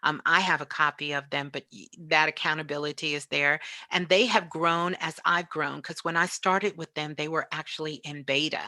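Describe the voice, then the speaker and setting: Bright-voiced middle-aged woman, close dry sound. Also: low-pitched, steady tone, moderate pace, few pauses, dry recording. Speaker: guest, online radio show host. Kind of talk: casual spiritual interview talk.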